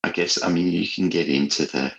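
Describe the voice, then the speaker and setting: Very deep, gravelly-voiced man. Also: steady tone, rough recording. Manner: thoughtful, halting, searches for words. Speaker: horror author being interviewed. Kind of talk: casual, reflective interview talk.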